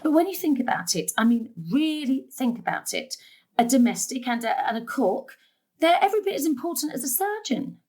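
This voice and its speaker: High, animated, exasperated middle-aged mother. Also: a little fast, exaggerated voice. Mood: reassuring. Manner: exasperated, firm, emphatic. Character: exasperated, principled mother caring for family. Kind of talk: stage drama acting.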